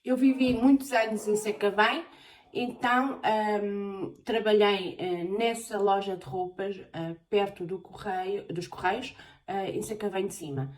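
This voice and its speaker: A woman from Portugal with a European Portuguese accent, chatting casually in a question-and-answer vlog, often pausing on filler sounds. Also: mid-range voice, steady tone, a little mellow. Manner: hesitant, many filler sounds. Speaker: vlogger. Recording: voice a bit far from the mic.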